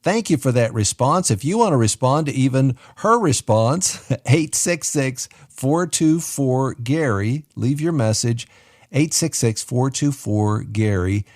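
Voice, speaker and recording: A man's voice: mid-range voice, lively intonation, measured pace, darkish tone, no room sound, studio quality. A man co-hosting a radio advice show, leading into calls in a friendly presenter way. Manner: smooth, friendly presenter, reads phone numbers. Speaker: radio co-host.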